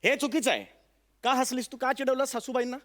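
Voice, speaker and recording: A man's voice: very high voice, brisk, no room sound. An actor playing a stern, bumbling middle-aged father-in-law in a stage comedy sketch, scolding and repeating himself. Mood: lecturing. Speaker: comic actor. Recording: loud background noise.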